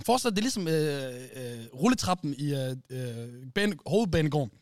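Male podcast host, lively storyteller, slangy, dry close mic. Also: a little high, no room sound. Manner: animated storyteller, many restarts, slang like "bro" and "wallah". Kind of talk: casual storytelling chat.

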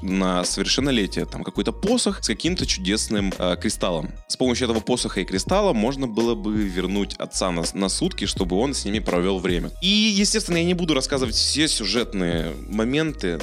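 A man's voice: on the low side, a bit bright. A man hosting a podcast, talking casually and jokily about films, sometimes stumbling over his words. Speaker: podcast host. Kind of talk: casual podcast chat, film review. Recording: music playing under the voice. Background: background music.

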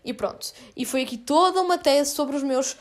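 A woman's voice: sits high, moderate pace. A woman aged twenty, chatting casually and informally as a solo podcast host, with youthful slang.

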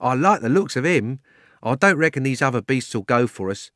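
A man voicing a rough, plain-spoken cab driver with a blunt, folksy manner. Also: medium pitch, lively intonation, a little fast, fairly bright tone, no room sound, clean studio sound, pitched above the performer's own voice, lightly acted.

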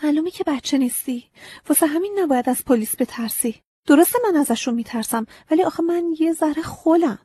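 A woman voicing a naive, emotional young farm girl in a breathy audiobook reading, pitched up and pleading. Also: lively intonation, mellow, no echo. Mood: earnest.

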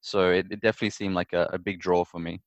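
A young man from Perth, Australia, answering interview questions in a friendly, relaxed way and repeating words as he thinks. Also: deep voice, quick pace, dry recording, muffled recording. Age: young adult. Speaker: interview guest, startup founder. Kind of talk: conversational interview.

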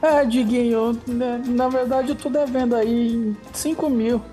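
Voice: mid-range voice, fairly even intonation, a little slow, warm tone, soft background music, lightly acted. A performer voicing Harry, a broke man in debt to a loan shark, talking in a sheepish, wheedling way in a comedy sketch.

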